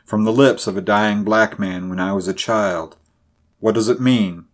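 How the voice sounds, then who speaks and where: A man's voice: on the low side, steady tone, moderate pace, close to an everyday voice. A man voicing a blunt, persistent sheriff in a storybook, questioning insistently. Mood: quiet, probing.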